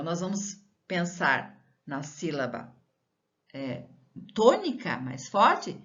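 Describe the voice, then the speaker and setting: Woman teacher from Brazil, low-ish voice, very animated pitch, patient questions to young pupils. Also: muffled recording. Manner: slow, drawn-out teacher talk with rising questions to the pupil. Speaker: schoolteacher. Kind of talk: recorded lesson for children.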